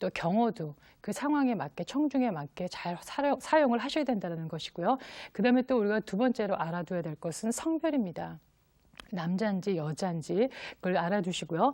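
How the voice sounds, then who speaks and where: A woman's medium-pitched, dark, mellow voice with very wide pitch swings at a fairly quick pace, on a very clean recording with a silent background. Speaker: lecturer. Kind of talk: lecture.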